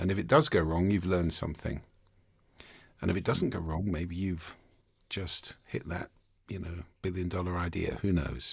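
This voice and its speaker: A man speaks with a British accent at a moderate pace, his voice very deep and somewhat breathy. Long pauses come often, pitch varies in an ordinary way, and the background is quiet. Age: 60s. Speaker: speaking expert. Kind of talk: interview.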